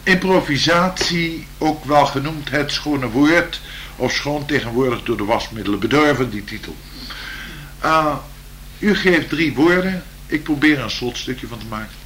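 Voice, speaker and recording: A man delivers a spiritual address, slowly and solemnly. His mid-range voice has a declamatory, poetic cadence, recorded with a faint hum behind it. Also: mid-range voice, fairly bright tone. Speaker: spiritual speaker. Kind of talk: spiritual address with improvised verse.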